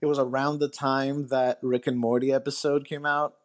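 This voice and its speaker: A man chatting casually as a guest author, halting and thinking aloud as he goes. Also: medium pitch, flat delivery. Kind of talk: casual chat.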